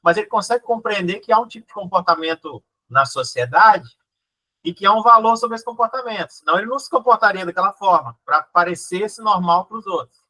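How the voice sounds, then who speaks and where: A man in casual conversation, talking in a quick, animated way and explaining his points with examples. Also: high voice, poor audio.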